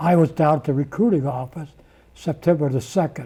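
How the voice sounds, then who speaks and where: Somewhat breathy and dark, mellow in tone, a man with an American accent speaks with ordinary pitch variation. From western Massachusetts. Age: 90s. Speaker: war veteran. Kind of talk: interview. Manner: halting.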